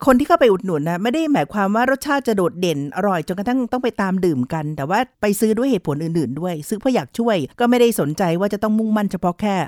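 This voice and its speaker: A woman's voice: medium pitch, expressive, fast, few pauses, darkish tone, no echo, studio quality. A middle-aged woman hosting a talk show interview, asking long, carefully framed questions in a polite manner. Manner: asks long framing questions, polite particles. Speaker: host.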